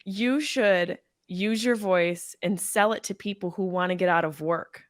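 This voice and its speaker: A woman's voice: lowish voice, unhurried, no echo, clean studio sound. Brash woman hosting a comedy podcast. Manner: brash, profane, playful. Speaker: podcast host. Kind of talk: casual comedy podcast chat.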